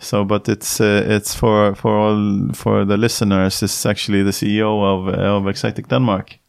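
Hardly pausing at all, a man with a fairly low pitch talks at a moderate pace, with very even loudness and fairly even intonation. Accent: Swedish. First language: Swedish. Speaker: company CEO and podcast host. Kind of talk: casual interview. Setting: office.

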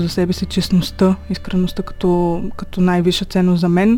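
Her voice is dark and mellow, and the woman speaks with flat, monotone intonation. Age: young. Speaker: student and platform founder. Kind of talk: interview.

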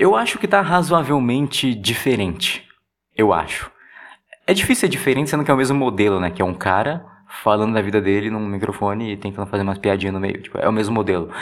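Here a man speaks at a very fast pace with a fairly low pitch. His intonation is lively. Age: 20s. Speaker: solo podcaster. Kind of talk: casual monologue. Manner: halting.

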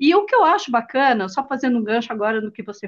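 A woman's ordinary speaking voice, fairly high in pitch, with ordinary pitch variation at a fairly quick pace. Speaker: podcast host and bicycle traveller. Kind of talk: casual chat. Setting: recorded on call, no studio.

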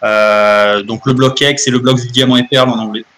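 A man with a plain, everyday voice, medium pitch and moderate pace. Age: 30s. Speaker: card collector, podcast co-host. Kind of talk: casual chat.

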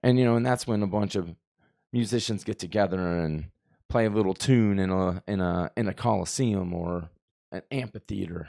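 A man with an American accent has a very deep, low pitch and a dark, mellow tone. His pitch variation is ordinary, and the recording is very clean with a silent background. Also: moderate pace, dry, close sound with no echo. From Texas, El Paso. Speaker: podcast host. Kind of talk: casual monologue. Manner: halting, many fillers.

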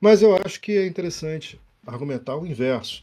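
A man with a dark, mellow, somewhat breathy voice lets his pitch swing very widely. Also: very clean recording, silent background. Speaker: history professor. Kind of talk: interview conversation.

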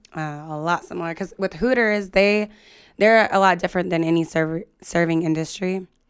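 In a plain, everyday voice, a woman with an American accent speaks at a fairly low pitch and moderate pace with fairly even intonation, captured in a very clean recording against a silent background. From US Northwest (Montana/Oregon). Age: 20s. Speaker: nightlife entertainer. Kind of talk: casual interview.

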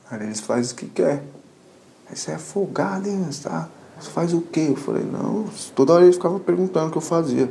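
A man talks at a fairly quick pace with a fairly high pitch and ordinary pitch variation. His loudness swings widely over noticeable background noise. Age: 30s. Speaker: community resident. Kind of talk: interview. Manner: informal slang-heavy.

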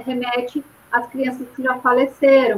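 A woman with a high pitch keeps a moderate pace as noticeable background noise plays behind her. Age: 30s. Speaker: youtuber and teacher. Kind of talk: casual chat. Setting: live stream.

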